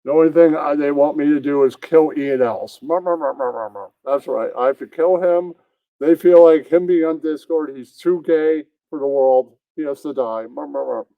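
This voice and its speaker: A man puts on a crude, blunt male puppet from an adult comedy show. The voice sits fairly high and babbles nonsense syllables between lines, on a dull, dry, muffled recording. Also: moderate pace, dry recording, natural voice. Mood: deadpan menace. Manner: pads speech with repeated nonsense syllables.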